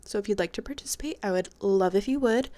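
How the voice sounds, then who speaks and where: A woman's voice: mid-range voice, fast, mellow. A young woman vlogging about her art in a casual, chatty, self-deprecating way, her voice congested and sniffly from a cold. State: stuffed-up nose from a cold. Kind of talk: casual chat.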